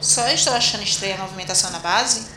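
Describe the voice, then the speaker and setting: A woman's voice: mid-range voice, quick pace, bright, forceful tone, close to an everyday voice. A woman playing a wary rebel scout in an audio drama. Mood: suspicious. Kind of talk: scripted audio drama acting. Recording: echoey with noisy ambience.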